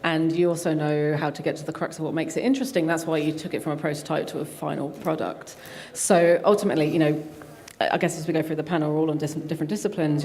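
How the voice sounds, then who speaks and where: A woman's voice: sits low, dark tone. A woman speaking on a conference panel in a conversational way, with frequent you-knows. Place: conference stage. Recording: reverberant hall.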